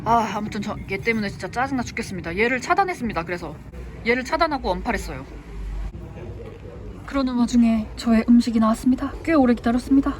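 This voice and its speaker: A vlogger chats straight to the camera over a meal in a cafe and vents their frustrations in a loose, talkative way. Their voice sits at a middle pitch, with faint street and vehicle noise behind it. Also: expressive, fast talker. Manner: chatty, venting frustration about a coworker. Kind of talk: casual vlog monologue.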